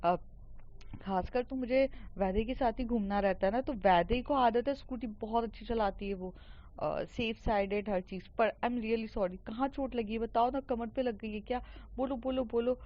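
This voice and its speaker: A woman's voice: mid-range voice, normal speed, close to an everyday voice. A woman voicing a caring, talkative young woman friend who fusses and coaxes, slipping English words into her speech. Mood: worried, fussing. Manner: fussing, coaxing, mixing in English. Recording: dull lo-fi recording.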